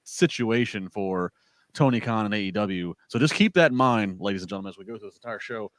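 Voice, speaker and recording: Low-voiced man recapping wrestling. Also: a little fast, no room sound. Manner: rambling recap with many fillers and restarts. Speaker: podcast host. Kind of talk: casual wrestling podcast chat.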